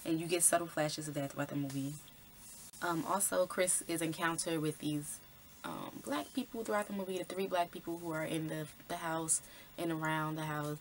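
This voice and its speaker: Woman vlogger, casual film commentary, low voice, chatty with fillers, faint background noise. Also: fairly even intonation, normal speed. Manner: conversational, many fillers like "um" and "like".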